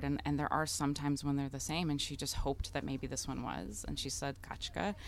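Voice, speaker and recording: A woman with an American accent talks at a fairly quick pace, her pitch very deep and low. She has vocal fry and ordinary pitch variation. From US Midwest, Chicago. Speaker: chef and restaurant owner. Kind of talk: interview. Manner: hesitant, many fillers.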